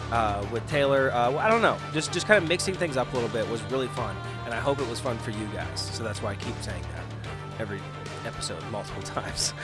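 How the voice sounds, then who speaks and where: A man giving a casual, unscripted podcast intro, rambling a little as he addresses the listeners. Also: mid-range voice. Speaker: podcast player introducing the episode. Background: music with guitar.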